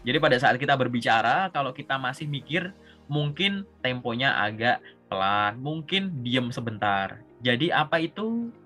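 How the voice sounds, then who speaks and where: Young guy from java coaching someone on a video call, bright voice, chatty, keeps asking "get it?", soft music behind. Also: mid-range voice, lively intonation, moderate pace. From Java, Indonesia. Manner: conversational, repeats "gitu" and checks understanding with questions. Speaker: career coach.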